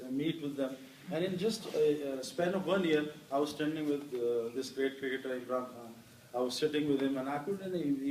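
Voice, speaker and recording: A man's voice: fairly high pitch, a little hiss or hum. Pakistani-born guy, middle-aged, rambling stories with lots of "you know", sounds far from the mic. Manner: warm anecdotal telling with many "you know" fillers. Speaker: interview guest, former cricketer. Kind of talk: storytelling in an interview. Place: hall with an audience. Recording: roomy hall, voice picked up from a distance.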